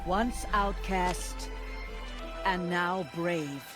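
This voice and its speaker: A man's voice: high-pitched, drawn-out words, over music. A man acting a solemn tribal leader in a video game, proclaiming ceremonially.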